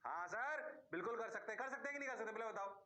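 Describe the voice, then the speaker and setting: A man's voice: animated, racing, bright, forceful tone. A male physics teacher, giving a playful online lecture in a singsong voice and answering his own questions. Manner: singsong, answers himself in a low student voice; playful, rhyming catchphrases.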